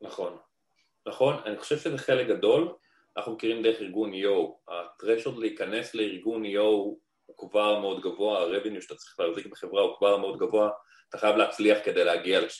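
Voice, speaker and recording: This man's loudness swings widely as he talks at a moderate pace. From Israel, Arad. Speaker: tech company founder. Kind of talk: interview. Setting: at home.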